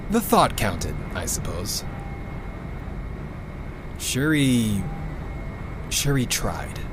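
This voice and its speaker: An actor playing a weary, defiant rebel in an audio drama, musing haltingly and wryly into a log. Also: male voice, mid-range voice, background noise. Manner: halting, reflective, wry, sighing.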